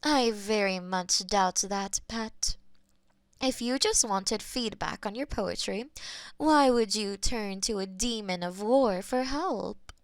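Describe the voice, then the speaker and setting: A woman voicing a possessive, teasing female demon of war in an intimate audio roleplay, with soft breathy whispers. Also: mid-range voice, dry recording. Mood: smug. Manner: teasing, possessive, slow and drawn-out.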